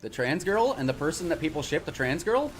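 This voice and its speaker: Teasing guy gaming on voice chat, slightly high voice, swoops up and down a ton. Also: a little fast, slight background noise. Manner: joking, teasing, animated. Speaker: gamer chatting while playing.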